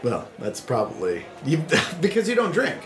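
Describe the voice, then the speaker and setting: A man's voice: on the high side, huge pitch swings, moderate pace. A man hosting a podcast, bantering casually and steering the guest with questions, recorded with roomy echo. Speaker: podcast host. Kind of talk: casual interview chat. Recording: roomy, echoing sound.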